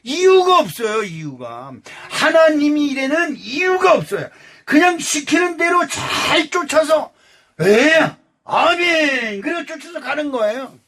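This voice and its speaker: Older pastor guy preaching, high voice that jumps all over, lots of shouting. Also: unhurried. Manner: animated, acts out quotes in exclamations; preaches loudly with bursts of shouting. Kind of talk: sermon.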